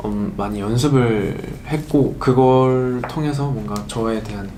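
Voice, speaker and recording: A young man speaks very quickly in an earnest, reflective way. His voice rings in an echoey room, with noise clearly heard behind him. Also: mid-range voice, darkish tone. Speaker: K-pop idol. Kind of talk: casual chat.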